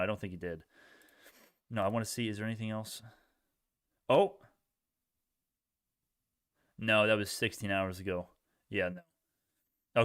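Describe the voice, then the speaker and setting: A man's voice: medium pitch, a bit bright, no room sound, clean studio sound. A young man hosting a casual live stock-trading stream, reacting to chat in informal bro slang and often repeating himself as he thinks aloud. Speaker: livestream host, retail stock trader.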